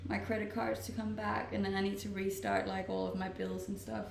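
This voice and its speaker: A woman's voice: medium pitch, flat delivery, brisk, gravelly, distant mic. Chatty young Danish-born woman streaming. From Denmark. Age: 20s. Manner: chatty, laughing often, restarting sentences. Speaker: live streamer. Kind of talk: casual chat reading stream comments. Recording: roomy echo, voice off-mic, faint noise.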